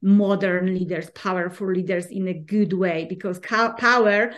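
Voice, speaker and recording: A woman's voice: fairly low pitch, steady tone, normal speed. A woman from Poland with a Polish accent, telling her story as an interview guest in an earnest, emphatic way with many restarts. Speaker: guest, leadership coach. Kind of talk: conversational interview.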